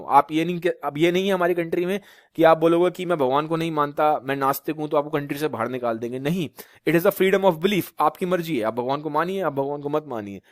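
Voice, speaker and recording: A man's voice: fairly high pitch, dry recording, clean studio sound. A male teacher from Uttar Pradesh lecturing students, mixing English terms into his talk and often asking rhetorical questions and checking that they follow. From Uttar Pradesh, India. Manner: repetitive rhetorical questions, frequent "theek hai" checks. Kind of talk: classroom lecture in Hindi mixed with English.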